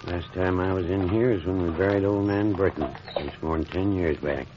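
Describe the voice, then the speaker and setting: An actor playing a skittish, grumbling old country doctor with folksy exclamations in a 1940s radio mystery. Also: male voice, low-pitched, normal speed, muffled recording, close to an everyday voice. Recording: noisy band-limited old radio recording.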